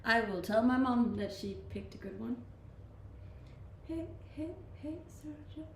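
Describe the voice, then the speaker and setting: A woman's voice: fairly high pitch, lively intonation, measured pace. A young woman from Denmark with a slight Danish accent mixed from living abroad, chatting casually with her viewers as she reads their comments. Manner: laid-back, chatty, often laughing. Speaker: streamer. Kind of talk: casual chat reading live comments. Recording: echoey room, faint ambient noise.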